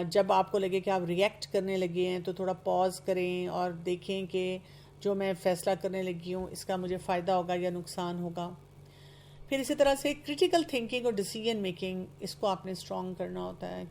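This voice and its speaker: A woman's voice: fairly low pitch, darkish tone, slight background noise. A woman giving an earnest talk of advice to young people, slipping English terms into her speech. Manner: acts out young people's excuses in quoted asides. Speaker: speaker on youth guidance. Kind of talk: lecture on self-improvement.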